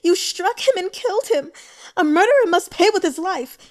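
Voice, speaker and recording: Woman voicing shrill, furious grieving young woman. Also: lively intonation, normal speed. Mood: anguished fury. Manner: shrill, accusing outbursts.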